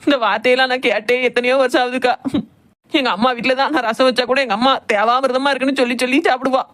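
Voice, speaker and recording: A woman's voice: high-pitched, steady tone, quick pace, fairly bright tone. A woman voicing a young village daughter-in-law, pouring out a plaintive complaint. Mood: tearful. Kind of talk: cartoon voice acting.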